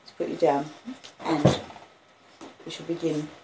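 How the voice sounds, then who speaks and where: Here the Australian woman in her fifties speaks low and flat at an unhurried pace, with background noise around her. She's at home with her dogs, casually chatting and reading a classic novel aloud, breaking off to address the pets.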